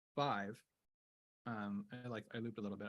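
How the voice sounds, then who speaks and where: A soft-spoken man at a moderate pace. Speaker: music producer. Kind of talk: casual chat. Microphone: wrong microphone, too quiet.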